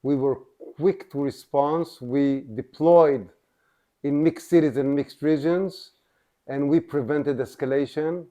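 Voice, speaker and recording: A man representing a civil society organization, speaking on a panel in a measured way with frequent restarts. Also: a little high, fairly even intonation, dark tone. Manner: measured, restarts sentences, many fillers. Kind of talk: panel discussion.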